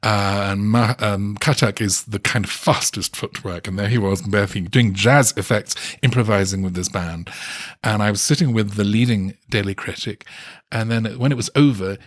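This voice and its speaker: A man's voice: lowish voice, moderate pace, dry recording. Thoughtful man telling stories, dry close mic. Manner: thoughtful, animated storytelling with hesitant restarts. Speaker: guest, dance critic. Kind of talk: relaxed conversational interview.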